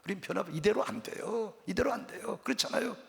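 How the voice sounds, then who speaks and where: A middle-aged pastor's high, gravelly voice moves at a quick pace as he preaches a revival sermon in a church sanctuary with reverberant acoustics. He tells animated stories and plays out the dialogue himself.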